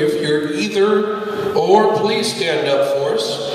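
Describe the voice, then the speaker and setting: The speech moves at a fairly slow pace. A strong room echo surrounds it. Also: man. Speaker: wrestling ring announcer. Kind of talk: live event crowd address. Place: hall.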